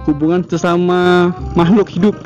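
A man's voice: sits high, fairly even intonation, normal speed, music in the background. A young man, joking and rambling playfully while riding a motorcycle outdoors. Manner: joking, playful, self-mocking. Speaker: motovlogger. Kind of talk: rambling comic motovlog chat. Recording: muffled helmet mic with wind noise.

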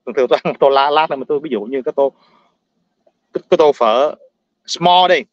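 Southern vietnamese guy ranting fast to his viewers, blunt, laughs a lot, kinda dull dry mic. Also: a little high, no echo. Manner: blunt, ranting, laughs often, repeats words. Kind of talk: casual monologue to viewers.

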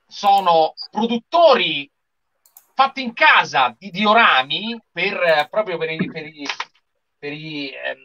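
Man in his thirties, livestream host, chatty and enthusiastic, bright tone, muffled video-call sound. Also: fairly high pitch, animated, slow, a little hiss or hum. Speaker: live show host. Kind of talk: casual livestream chat. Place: small indoor room with shelves of figurines. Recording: dull lo-fi video-call audio.

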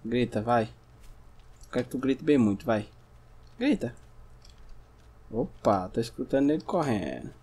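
Chatty Brazilian gamer talking to himself. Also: male voice, medium pitch, lively intonation, moderate pace, slightly rough. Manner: chatty, talks to himself and the audience, bursts into shouts at scares. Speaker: gameplay streamer. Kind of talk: casual gameplay commentary.

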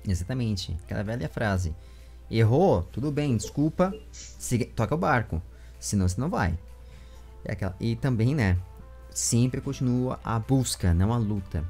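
A man in his twenties with a Brazilian accent, hosting a casual interview in an animated, rambling way, speaking into a close desk microphone at home. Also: medium pitch, normal speed, gravelly, faint music behind. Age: 20s. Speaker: interviewer and show host. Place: small room with bookshelves at home. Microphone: large desk microphone with foam windscreen, close.

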